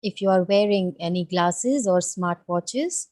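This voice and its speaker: A woman leading a guided meditation, giving gentle, soothing instructions with long pauses. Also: lowish voice.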